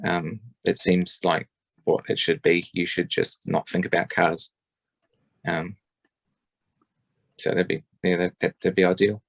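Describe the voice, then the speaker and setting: A man's voice: sits low, flat delivery, unhurried, pauses often, no echo. A man giving a rambling, hesitant spoken submission at a public forum, with many ums and restarts. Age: adult parent.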